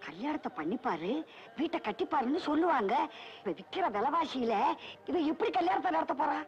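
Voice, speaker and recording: Old village grandmother, scornful, gossiping, Tamil accent, high lively voice, dull old film sound. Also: a little fast. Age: older.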